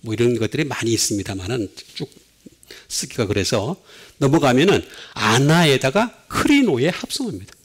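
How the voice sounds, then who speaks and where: A middle-aged male pastor preaching a sermon, with sudden swings between loud and soft. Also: mid-range voice, big pitch swings, moderate pace, husky.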